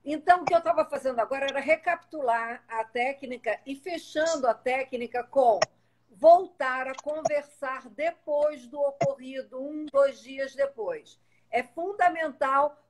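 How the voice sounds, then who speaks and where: A woman's voice: sits high, a little slow, a little hiss or hum, rough recording. A woman parenting educator giving a live-streamed talk, patient and instructive, speaking directly to her viewers. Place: home in a city. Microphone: internet live stream.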